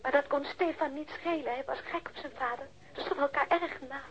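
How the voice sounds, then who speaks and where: A recently widowed wife with a high voice, in a radio drama. She is subdued, polite and a little hesitant as she explains. The sound is dull and narrow. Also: fairly quick, fairly bright tone. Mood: wistful. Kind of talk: radio play acting, dialogue. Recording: dull band-limited radio drama audio.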